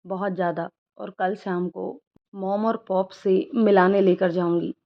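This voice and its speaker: A woman's voice: medium pitch, steady tone, a little slow, close to an everyday voice. A woman reading the part of a young woman doctor who scolds her boyfriend fondly, in a storybook narration. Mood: scolding, fond. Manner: scolding, affectionate. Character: young woman doctor, fond but easily upset. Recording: dull lo-fi recording.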